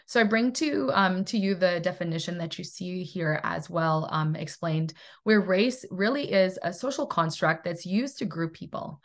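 A woman's voice: lowish voice, normal speed. Earnest South African woman lecturing. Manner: earnest, thoughtful, many fillers and restarts. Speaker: presenter in a university research toolkit. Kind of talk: recorded webinar lecture. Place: home room, webcam.

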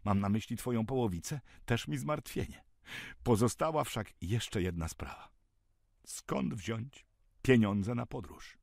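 A man voicing an excitable dreamy traveler. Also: on the low side, unhurried, vocal fry, no echo, clean studio sound. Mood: eager. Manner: eager, grandiose, raising his voice. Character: excitable dreamy Jewish man planning a grand journey.

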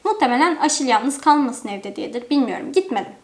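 A young woman tells a personal story in a chatty, expressive way, packed with fillers. Her voice is high and swings widely in pitch. A roomy echo of an indoor room surrounds her. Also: brisk. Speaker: storytime vlogger. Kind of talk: casual storytelling.

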